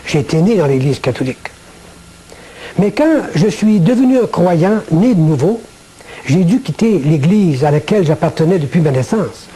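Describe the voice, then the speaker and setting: A man from gives a religious testimony in a measured, formal way, like a prepared monologue. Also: high voice, dark tone, husky, rough recording. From Quebec, Canada. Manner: measured, formal, literary phrasing.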